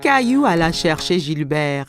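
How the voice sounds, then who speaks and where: A woman's voice: low voice, sing-song, measured pace, slight background noise. Woman narrating a children's story.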